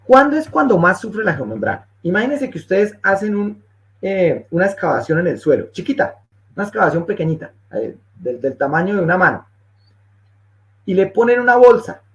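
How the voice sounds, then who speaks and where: A man's voice: sits high, very animated, a little fast. A male engineering instructor giving a technical webinar lecture, explaining step by step and checking in often with his listeners. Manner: explanatory, checks in with frequent "¿listo?". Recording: muffled lo-fi webinar audio.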